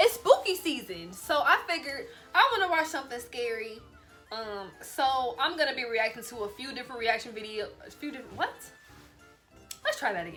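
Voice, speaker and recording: In an American accent, a woman uses a high, raised, projected voice at a fairly quick pace. Her pitch swings very widely and her loudness swings a lot, with music in the background. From Ohio. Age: 20s. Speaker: YouTuber. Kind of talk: casual talk to camera.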